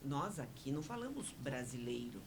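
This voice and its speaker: A woman whose first language is Spanish, explaining things in a measured way as a guest on a radio interview. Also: rumbling low, sing-song, a loud crowd. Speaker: interview guest, honorary consul.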